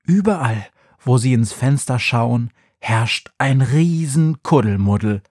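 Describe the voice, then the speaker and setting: Calm husky guy reading a kids story slowly, dry close mic. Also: mid-range voice, no echo. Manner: calm, slow, measured reading. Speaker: narrator. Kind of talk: children's story narration.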